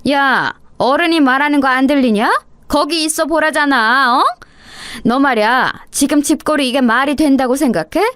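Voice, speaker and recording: Woman doing an older mother-in-law, shrill, shouting, scolding, coarse, dry close sound, story reading. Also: normal speed, dry recording. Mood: raging scold. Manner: shouting, berating, coarse talk.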